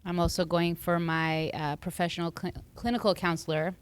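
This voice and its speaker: A woman from the US, a therapist, speaking in a smooth, slightly low voice. She talks thoughtfully on a casual podcast panel, often pausing with fillers as she gathers her words. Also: little pitch movement. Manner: thoughtful, hesitant with many fillers. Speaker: marriage and family therapist.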